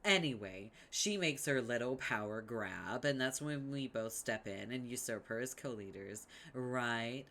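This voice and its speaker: A man's voice: mid-range voice, expressive, unhurried, few pauses, bright, forceful tone. A man voicing a smug, scheming young female troll with a brash, sarcastic delivery.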